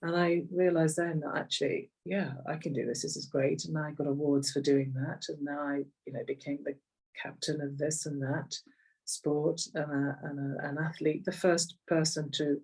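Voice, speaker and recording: A woman's voice: low-pitched, level tone, normal speed, darkish tone, breathy edge, distant mic, low-quality recording. A middle-aged woman with an English accent tells personal stories conversationally, reflective and repeating phrases for emphasis. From Kenya, later rural England. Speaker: interview guest, executive coach.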